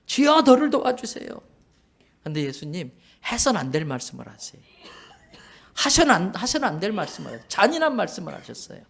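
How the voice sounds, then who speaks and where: A man preaching a sermon in church as pastor, animated, acting out quoted voices and questioning the congregation. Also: fairly high pitch, quick pace, creaky, breathy edge. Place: church sanctuary.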